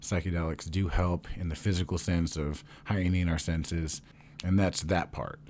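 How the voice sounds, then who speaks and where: Low-voiced casual vlogger man. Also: steady tone, moderate pace, a little mellow, a little hiss or hum. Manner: casual, swears freely, rambles. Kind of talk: casual talk to camera.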